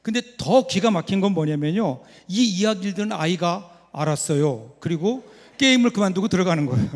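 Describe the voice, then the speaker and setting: A man's voice: high-pitched, animated, normal speed. A man preaching a Sunday sermon as pastor, telling a story conversationally and putting rhetorical questions to the congregation. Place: church sanctuary. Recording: long reverb of a church hall.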